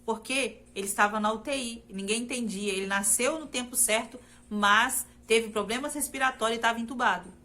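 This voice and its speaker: A woman's voice: fairly high pitch, brisk, hardly any pauses, pushed and bright. A woman from Brazil sharing a personal faith testimony in an earnest, repetitive way, often turning to her listeners directly. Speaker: testimony speaker.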